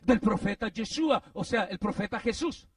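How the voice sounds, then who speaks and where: A man preaching, telling a story in a sermon, animated and rising to shouts at the peaks. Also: moderate pace, distant mic. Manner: animated, swings from low asides to shouted climaxes.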